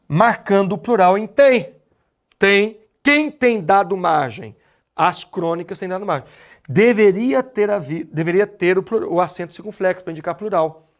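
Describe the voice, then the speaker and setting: High-voiced Brazilian man teaching a class. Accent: Brazilian Portuguese. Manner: explains step by step, asks the class rhetorical questions. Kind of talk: exam-prep lecture.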